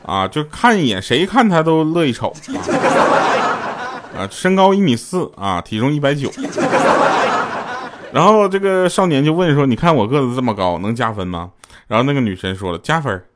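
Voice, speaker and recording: On a livestream, a man casually tells jokes and funny stories, laughing often and acting out dialogue in raised voices. His medium-pitched voice swings widely in pitch at a normal speed with frequent pauses, over loud background noise with clicks.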